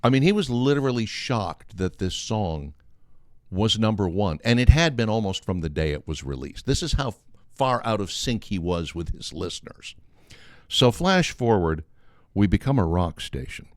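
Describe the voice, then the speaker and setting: A man's voice: on the low side, moderate pace, no echo, studio quality. An older man telling a humorous anecdote in a casual, wry way, acting out the dialogue as he goes. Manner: animated, acts out quoted dialogue. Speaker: storyteller on a talk show.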